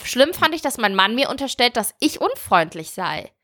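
A woman co-hosting a podcast in casual chat, telling stories in an animated way and laughing often. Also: fairly high pitch, moderate pace. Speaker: podcast co-host.

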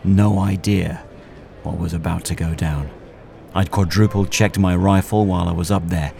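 An actor playing a calm, guarded professional hitman in an audio drama, speaking in a terse, controlled way. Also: low voice, moderate pace, gravelly, faint music behind. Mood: cool, detached. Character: calm, guarded professional hitman narrating his own story. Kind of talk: audio drama acting and first-person narration.

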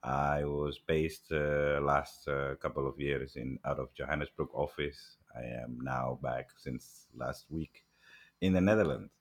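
Very deep-voiced Somali-accented man. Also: steady tone. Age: middle-aged. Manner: halting, many fillers and restarts. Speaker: guest, agriculture executive. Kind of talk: casual interview talk.

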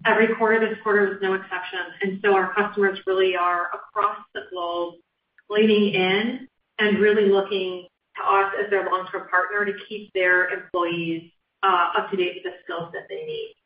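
A woman's voice: medium pitch, moderate pace. Echoey, distant female executive. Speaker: company executive. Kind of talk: earnings call answer. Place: conference call from a room. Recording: distant mic, echoey dull room, faint noise.

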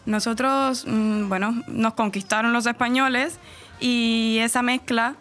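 A woman's voice: a little high, fairly even intonation, measured pace, fairly bright tone, soft background music. A woman from Cuba with a central-eastern Cuban accent, a radio presenter chatting at length as a guest in a casual radio interview. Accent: Cuban, central-eastern, from Camagüey. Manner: chatty, explains at length, laughs easily.

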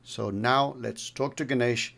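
A man hosting a trading podcast and interviewing a guest in a measured, friendly way. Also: mid-range voice, fairly even intonation, gravelly, fairly bright tone. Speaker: podcast host and trading mentor.

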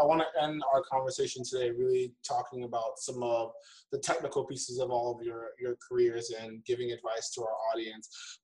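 A man's voice: mid-range voice, darkish tone, rough recording. A man hosting an interview, asking questions conversationally and restarting his sentences. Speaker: interviewer, host.

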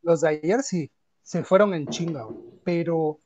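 A man's voice: fairly high pitch, a little slow, a little mellow, highs cut off, slight background noise. A man with a Mexican accent chatting casually and telling personal anecdotes in informal, slangy speech.

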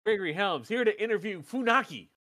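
Lively, laughing man recapping wrestling. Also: high voice, quick pace. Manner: laughing, loose, profane banter. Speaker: podcast co-host. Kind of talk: casual wrestling recap chat.

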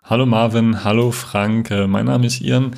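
Male contributor from the Ruhr, lowish pitch with vocal fry, even delivery, informal message. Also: moderate pace, music in the background. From Ruhr area, Germany. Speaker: listener sending a voice message.

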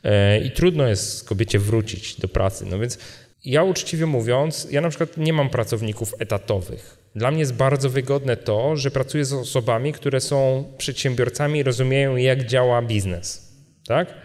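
A man's voice: medium pitch, moderate pace, a little mellow. Male event speaker, mid-range voice, informal and digressive, long hall reverb. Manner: digressive, often adds tag questions. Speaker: speaker answering audience questions. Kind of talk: informal question-and-answer talk. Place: event hall at a live meetup.

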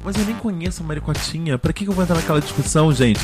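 A man co-hosting a relaxed podcast, his voice sitting a little high. He tells anecdotes with dramatic, animated asides. Music runs clearly underneath. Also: racing. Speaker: podcast co-host. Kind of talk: casual chat.

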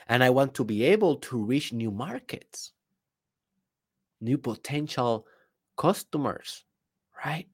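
A medium-pitched man with a Spanish accent, Spanish being his native language, gives a solo motivational talk with plenty of emphasis. Speaking as a business coach, he regularly turns rhetorical questions on the listener.

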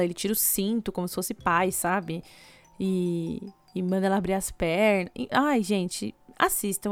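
Casting: woman, mid-pitched voice, chatty plot-recap vlogger, faint music under her. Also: darkish tone. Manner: chatty, conversational, frequent asides to viewers. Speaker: video host recapping a film.

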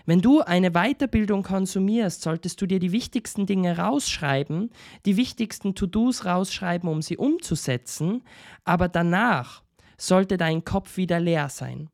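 Ein Mann mit österreichischem Akzent hält als Motivationsredner einen Podcast-Monolog, erzählt eine Geschichte und spricht den Hörer direkt und locker an. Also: male voice, sits high, measured pace, creaky. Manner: direct, addresses listener as du, conversational. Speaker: motivational speaker, podcast host.

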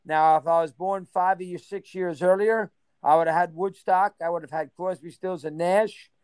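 Man in his sixties, high-pitched, smooth resonant voice, rambling, reminiscing, dry sound. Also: fairly even intonation, darkish tone, no echo. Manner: rambling, lists names in quick bursts. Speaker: interview guest. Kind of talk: casual reminiscing interview.

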